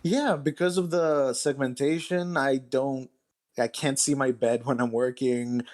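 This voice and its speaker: A man chatting casually as a guest author, halting and thinking aloud as he goes. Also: mid-range voice, fairly even intonation, a little mellow. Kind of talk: casual chat.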